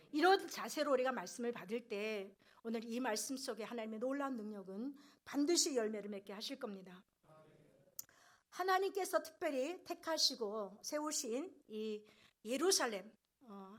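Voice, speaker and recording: High-voiced woman preaching earnestly. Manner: earnest preaching, rises loud on key phrases, drops soft at sentence ends. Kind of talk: sermon.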